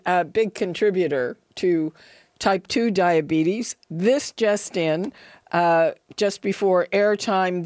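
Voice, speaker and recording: A woman's voice: on the low side, a little mellow, no echo, clean studio sound. A woman hosting a radio panel discussion, chatty and playful. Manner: playful, chatty, laughs easily. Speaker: radio host.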